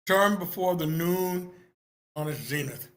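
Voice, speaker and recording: A man's voice: high voice, unhurried, a bit bright. A man voicing a protective tribal parent in a fantasy screenplay table read. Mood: gentle. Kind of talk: amateur table read acting.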